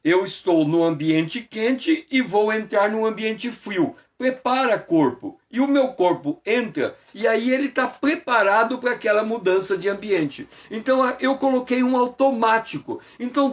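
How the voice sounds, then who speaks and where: A Brazilian man, a pastor, leading a devotional prayer and sermon in an unhurried, reflective way with drawn-out phrases. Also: sits high.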